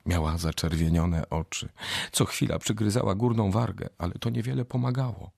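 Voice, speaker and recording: A man narrating a radio drama as an expressive, scripted storyteller. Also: lowish voice, moderate pace, creaky, breathy edge, no echo, studio quality.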